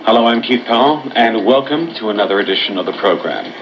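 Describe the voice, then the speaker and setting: A man's voice: lowish voice, animated, fast, music in the background. A man reading a scripted introduction as host of a radio program, heard over shortwave. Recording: noisy muffled shortwave radio reception.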